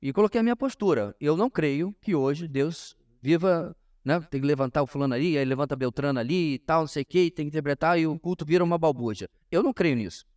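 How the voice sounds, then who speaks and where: A man with a Brazilian Portuguese accent teaches a church class as a pastor, in an informal sermon style, emphatic and often pausing to address his listeners directly. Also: on the high side, a little mellow. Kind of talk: informal sermon-like lesson to a congregation.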